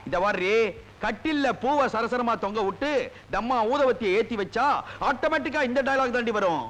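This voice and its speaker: A man's voice: very high-pitched, moderate pace, fairly bright tone, low-quality recording. An actor playing a bickering comic husband who blusters and teases his wife in a film quarrel. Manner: blustering, teasing. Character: bickering comic husband, boastful and quick to argue.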